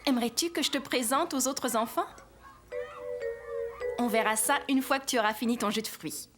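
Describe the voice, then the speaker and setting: A woman voicing a kind, welcoming daycare teacher in an animated children's series, friendly and encouraging. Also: on the high side, moderate pace, over music, natural voice.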